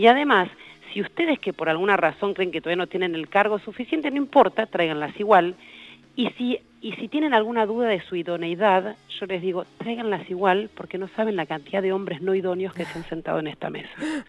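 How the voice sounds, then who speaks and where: A woman's plain, everyday voice at medium pitch, with lively intonation, big swings in loudness and a fairly quick pace. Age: 40s. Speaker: government official. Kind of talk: radio interview.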